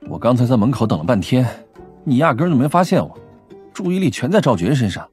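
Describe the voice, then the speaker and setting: A man's voice: medium pitch, big pitch swings, quick pace, darkish tone, faint music behind, lightly acted. An actor playing a protective, jealous young male detective in an audiobook drama, intimate and brooding. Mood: jealous, worried.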